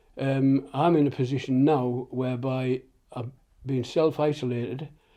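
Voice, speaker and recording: A man with a North East England accent speaks at a fairly slow pace and a medium pitch. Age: 70s. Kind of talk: interview answer.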